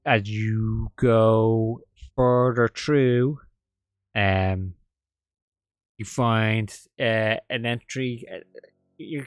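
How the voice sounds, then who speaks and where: A man narrating as game master, talking in a halting way full of fillers and restarts. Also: on the low side, no room sound.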